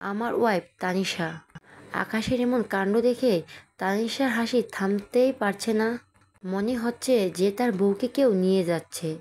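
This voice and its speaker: A woman's voice: mid-range voice, measured pace, darkish tone. A woman narrating a romantic audio story, naming each character before their lines.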